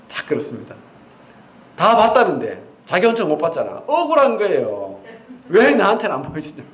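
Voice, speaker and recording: A middle-aged man preaching a sermon as pastor, animated, with sudden loud outbursts and quiet asides. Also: a little high, a little hiss or hum. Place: church sanctuary. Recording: echoey church hall.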